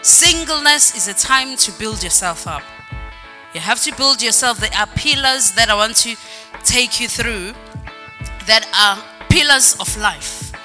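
A woman preaches with a very bright, sharp voice, repeating words for emphasis and drawing out some phrases in a sing-song lilt. Her voice rings through a reverberant hall with faint music underneath. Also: a little high, animated, unhurried. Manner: sings some phrases, varies pace. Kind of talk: sermon. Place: church hall.

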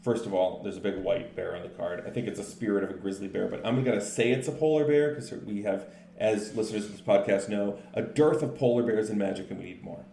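A man co-hosting a podcast, chatting casually and explaining things in a relaxed way. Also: on the low side, gravelly. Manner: relaxed, explanatory, says card names in quick lists. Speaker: podcast co-host. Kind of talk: casual chat about card games. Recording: echoey room with faint noise.

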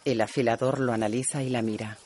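A man calmly narrating scripted audio description for a film. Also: medium pitch, fast, a little hiss or hum. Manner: calm, even narration.

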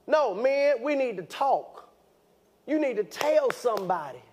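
A man's voice: extremely high pitch, sing-song, unhurried, a little mellow, slight background noise. A man preaching a sermon, fervent and insistent, repeating phrases for emphasis and speaking directly and colloquially to his listeners. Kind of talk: sermon to a congregation.

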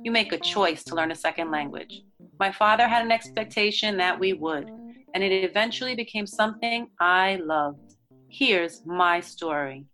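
A woman hosting a podcast, reading a scripted introduction in a grateful, deliberate way. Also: fairly low pitch. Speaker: podcast host. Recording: voice over loud music.

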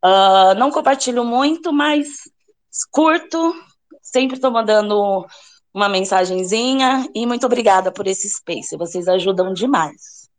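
A woman's voice: mid-range voice, a little slow. A woman calling in to a live talk show, nervous and gushing, with nervous laughter between her words. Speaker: caller. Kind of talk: casual call-in chat.

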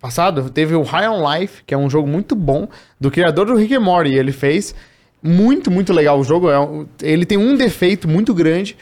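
A man's voice: fairly high pitch, expressive, normal speed, a little mellow. A man in his twenties hosting a podcast, chatting in an enthusiastic, talkative way. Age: 20s. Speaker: podcast host. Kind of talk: casual podcast chat.

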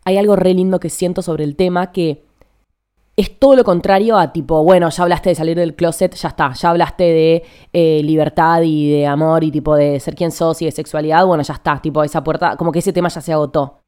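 A young woman with an Argentine Spanish accent hosting a casual podcast monologue in a hurried, over-energized, chatty way. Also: low-pitched, fairly even intonation, warm tone, clear, resonant tone. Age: young adult. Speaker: podcast host.

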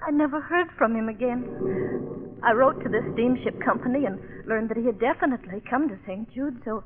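A woman's voice: a little high, moderate pace, phone-quality sound, background noise, close to an everyday voice. An actress playing an anxious, tearful young woman, faltering and melodramatic, in 1940s radio style. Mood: sad, hesitant. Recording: echoing, thin vintage radio recording.

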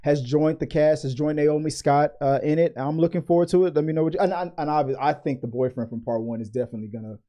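A man's voice: a little high, quick pace, few pauses, dark tone. A man co-hosting a casual podcast chat who rambles, restarts his sentences and laughs easily. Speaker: podcast co-host.

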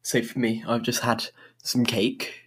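British male music radio host, informal and upbeat, slightly husky mid-pitched voice, speaks directly to listeners. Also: monotone, a little slow, a bit bright. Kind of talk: upbeat music radio presenting between songs.

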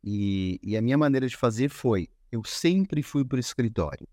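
A man as a podcast guest, telling stories in a relaxed, conversational way with frequent restarts and fillers. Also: medium pitch, moderate pace, dry recording, studio quality. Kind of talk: casual conversation.

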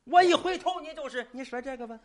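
A man's voice: very high-pitched, fast. A man playing the sidekick in a stage crosstalk act, playfully obtuse and always twisting his partner's words.

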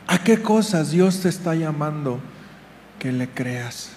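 A man's voice: fairly high pitch, expressive, slow, a little mellow. A man preaching a sermon, dramatic and fond of acting out the voices he quotes. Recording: echoey hall with faint noise.

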